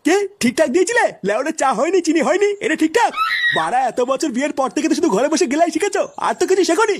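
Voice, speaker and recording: A man voicing a grumpy, crude old grandfather in a comedy cartoon, with a pitched-up voice. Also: big pitch swings, rapid-fire, noisy background. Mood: angry, scornful. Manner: scolding, dismissive, crude. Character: grumpy, foul-mouthed old grandfather and husband. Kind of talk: comic cartoon dialogue. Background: faint music.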